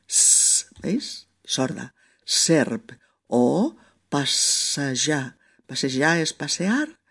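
A teacher giving a spoken language lesson, repeating each example word with care and often checking in with the listener. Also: mid-range voice. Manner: repeats words slowly to show pronunciation.

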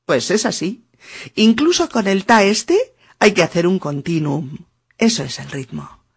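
Woman w a teaching spanish on a podcast, low husky voice, super slow. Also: expressive. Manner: slow, deliberate, sounds out rhythm. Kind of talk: podcast lesson dialogue.

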